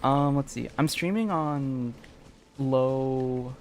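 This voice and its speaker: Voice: mid-range voice, drawn-out words, slight background noise. A game streamer giving casual, chatty live commentary with informal, sweary phrasing. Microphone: streaming microphone. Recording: game music behind the voice.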